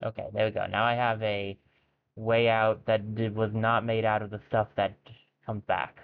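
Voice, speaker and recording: A man's voice: on the low side, level tone, normal speed. Man streaming a game, tinny sound. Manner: thinking aloud, wry self-mockery. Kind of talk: casual let's-play commentary.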